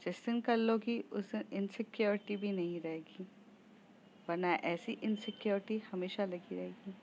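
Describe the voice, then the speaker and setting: A woman's voice: medium pitch, steady tone, normal speed, a little mellow, a little hiss or hum, close to an everyday voice. A woman voicing a playful young female friend who teases in a sing-song way, on a slightly muffled recording. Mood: earnest advice.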